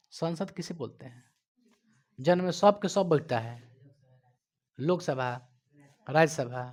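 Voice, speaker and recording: A male teacher with a Bihari Hindi accent, giving a classroom lecture, quizzing his students and scolding them, loud one moment and quiet the next. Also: high-pitched. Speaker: coaching teacher.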